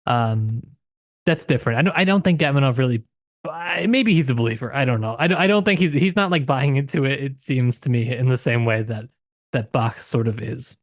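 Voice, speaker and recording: A man's voice: mid-range voice, a little fast, dry recording, clean studio sound. A man co-hosting a podcast in casual book discussion, tentative, often circling back to rephrase as he thinks aloud. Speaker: podcast co-host.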